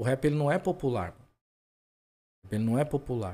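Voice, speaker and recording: Over a very clean recording with a silent background, a man talks at a moderate pace with a fairly high pitch. His tone is dark and mellow, and his intonation lively. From São Paulo, Capão Redondo (south zone). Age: 40s. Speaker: rapper. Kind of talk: casual chat.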